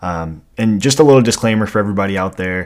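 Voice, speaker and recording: On a very clean recording with a silent background, a man talks at a fairly quick pace in a normal speaking voice with a fairly low pitch. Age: 20s. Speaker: fitness podcast host. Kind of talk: solo casual monologue. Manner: casual, filler-heavy.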